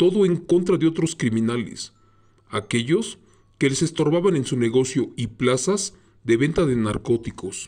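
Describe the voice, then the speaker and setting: Using a solemn tone, a man speaks at a fairly slow pace in a medium pitch with very wide pitch swings. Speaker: horror story narrator. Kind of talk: scripted narration of a horror tale told in first person. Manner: slow, solemn, ominous storytelling.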